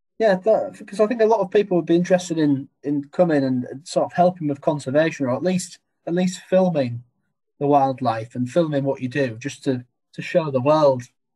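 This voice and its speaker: Speaking in an English accent, a man with a fairly high pitch and a dark, mellow tone talks at a fairly quick pace with lively intonation. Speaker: wildlife channel host. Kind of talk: interview.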